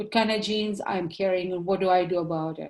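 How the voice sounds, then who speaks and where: Speaking with a Russian accent, a woman keeps a medium pitch and fairly even intonation. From former Soviet Union. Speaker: physician and network marketing presenter. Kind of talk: sales presentation.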